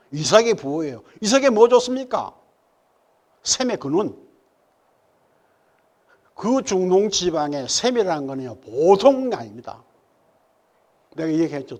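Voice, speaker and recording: In a church sanctuary, a male pastor delivers a sermon, hurling rhetorical questions at the congregation. He swings between loud, emphatic peaks and low, murmured asides.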